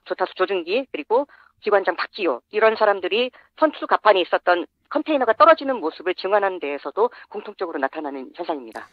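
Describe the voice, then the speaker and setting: An anonymous interview guest whose voice is disguised by a voice changer, explaining findings in a steady, methodical way. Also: medium pitch, quick pace, few pauses, dry recording, muffled recording.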